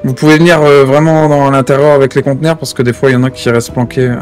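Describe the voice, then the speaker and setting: A man's voice: mid-range voice, flat delivery, quick pace, faint music behind, natural voice. A man playing a streetwise gang member in an online roleplay game, directing others in casual slang. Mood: focused. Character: male gang member, streetwise, coordinating heist escape.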